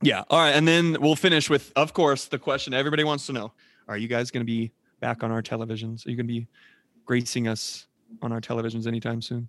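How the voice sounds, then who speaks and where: This man talks at a very fast pace with a medium pitch and ordinary pitch variation. The background is quiet. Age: 30s. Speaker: podcast host. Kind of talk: casual chat. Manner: animated.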